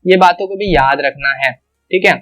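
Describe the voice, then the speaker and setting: A man's voice: high voice, normal speed, a bit bright. A man teaching an online exam-prep grammar lesson, explaining step by step and repeating each sound aloud as an example.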